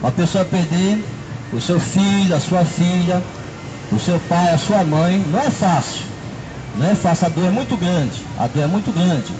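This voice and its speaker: A man's voice: sits high, moderate pace, noisy background. A middle-aged man, preaching an open-air sermon into a handheld microphone in a city square, often adding "né" and "não é" between his phrases. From Brazil. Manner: repetitive, fills with "né" and "não é". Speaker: street preacher. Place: city park square, outdoors.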